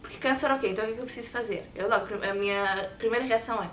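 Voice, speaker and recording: A woman in her thirties with a European Portuguese accent, telling her personal story in an expressive, hand-gesturing way in a sit-down studio interview on a lapel mic. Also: a little high, rapid-fire, echoey room, slight background noise. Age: 30s. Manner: expressive, talks with her hands. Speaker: interview guest. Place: bright studio set with sofa and shelves.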